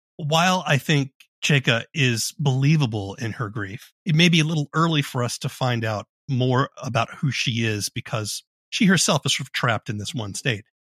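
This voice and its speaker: In a very clean recording with a silent background, a man speaks at a moderate pace and medium pitch, using lively intonation in a plain, everyday voice. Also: dry, close sound with no echo. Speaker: podcast host and writer. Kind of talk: interview.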